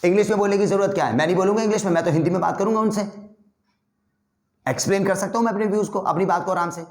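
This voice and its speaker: A man's voice: high-pitched, warm tone, reverberant, pitched above the performer's own voice. Man playing a defiant young school refuser. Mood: defiant, heated. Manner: angry, rapid arguing.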